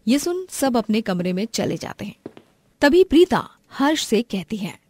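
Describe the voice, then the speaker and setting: A woman's voice: fairly high pitch, very animated, moderate pace, dark tone, no echo. A woman with an Indian accent giving scripted story narration.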